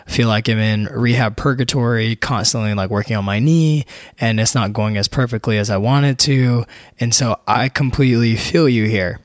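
A young man hosting a podcast, hoarse from a recent illness, talking earnestly and encouragingly straight to his listeners. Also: medium pitch, normal speed, no echo, clean studio sound. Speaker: podcast host, physical therapist. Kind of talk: casual motivational monologue.

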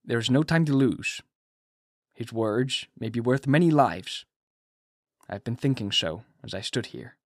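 A man voicing a stern elderly male professor who speaks in a quiet, grave tone. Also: mid-range voice, a little slow, no room sound, studio quality.

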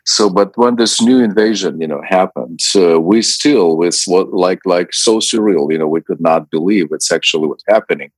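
A man's voice: sits low, normal speed, few pauses, no echo, low-quality recording. A middle-aged man from Ukraine, speaking as a guest in a radio interview, hesitant and full of fillers and restarts. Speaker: ministry president, guest.

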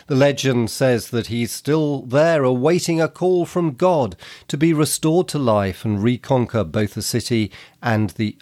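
A man with a croaky voice from a cold, hosting a podcast and reading history aloud in a measured, earnest way. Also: medium pitch, a little mellow, no echo, clean studio sound. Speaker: podcast host.

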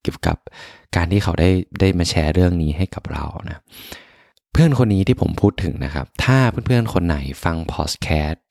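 Deep-voiced man in soft bedtime pillow talk. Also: expressive, a little fast, no room sound, studio quality. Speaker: podcast host. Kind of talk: intimate bedtime pillow talk, personal storytelling.

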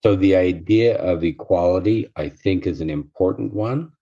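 A man speaking as a therapist guest in a casual podcast chat, congested from a cold, reflective and measured in tone. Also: dark tone, lo-fi sound. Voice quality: deep, husky.

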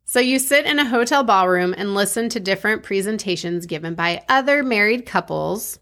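A woman's voice: mid-range voice, lively intonation, normal speed, fairly bright tone. An American woman co-hosting a podcast, chatting casually and jokingly as she tells a story. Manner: joking, bantering. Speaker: podcast co-host. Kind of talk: casual true-crime storytelling chat.

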